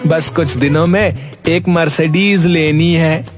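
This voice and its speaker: A man doing a bragging cartoon hustler who pitches to a crowd like a salesman. His voice sits a touch high and sure of itself, with faint music behind it. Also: steady tone, takes it slowly. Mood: smug. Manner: boastful, salesman-like. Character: boastful smooth-talking young male schemer. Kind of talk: cartoon voice acting.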